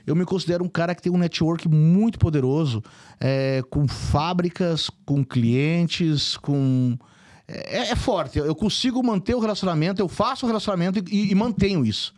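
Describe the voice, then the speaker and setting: Male guest, 40s, faint southern Brazilian accent with São Paulo touches, somewhat high voice, halting chatty delivery. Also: a little mellow. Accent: mixed Brazilian Portuguese, gaúcho with São Paulo traces. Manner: hesitant, many restarts and tag questions. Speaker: company CEO, podcast guest. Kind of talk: casual interview talk.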